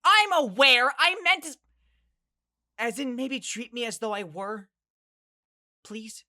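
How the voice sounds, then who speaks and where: An actress playing a bewildered, exasperated kid, telling the story in dramatic first person in an audio drama. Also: female voice, fairly high pitch, takes it slowly, bright, forceful tone. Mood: exasperated, alarmed. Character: bewildered, exasperated young kid narrating an apocalypse ordeal.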